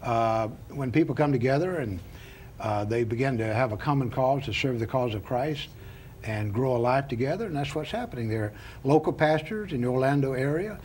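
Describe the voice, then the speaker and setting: A man hosting a Christian television talk show, speaking in a deliberate, sermon-like way with frequent "uh" fillers. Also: medium pitch, darkish tone, slight background noise. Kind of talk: preachy opening then interview.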